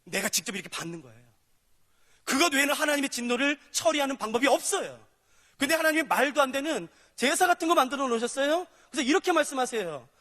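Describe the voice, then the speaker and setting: A man's voice: extremely high pitch, lively intonation, quick pace, pushed and bright, long reverb tail. A male pastor preaching a sermon, animatedly acting out dialogues between God and sinners.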